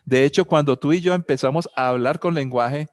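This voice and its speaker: This time the Colombian-accented man sounds fairly high-pitched and a little fast, in a dry, studio-quality recording. He muses on family and spirituality, leaning on rhetorical questions and personal anecdotes.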